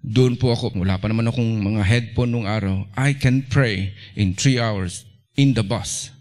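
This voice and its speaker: A middle-aged man from the Philippines, a pastor preaching a lively sermon in a church and acting out little everyday scenes. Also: on the low side, unhurried.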